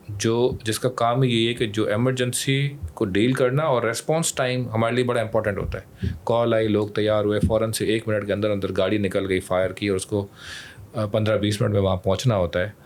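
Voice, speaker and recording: A man's voice: on the low side, fairly even intonation, moderate pace. A man with a Pakistani accent explaining his emergency service as a podcast guest, mixing English phrases into his talk. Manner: mixes in English words and phrases. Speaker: emergency rescue service official, interview guest. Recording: clear background noise.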